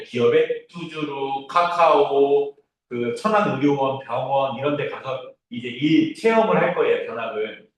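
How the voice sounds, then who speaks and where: A man giving an informal, easygoing orientation talk to a class as their instructor, reassuring and often checking that listeners follow. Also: mid-range voice. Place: indoor classroom, recorded from a distance. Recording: very echoey room, distant mic.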